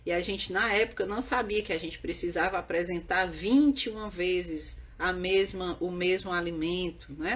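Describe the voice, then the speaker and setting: A woman's voice: on the low side, husky. A woman who teaches parents about baby sleep, talking earnestly and often checking in with her listeners. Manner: earnest, repetitive, checks in with "né?" and "certo?". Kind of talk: explaining to viewers on camera.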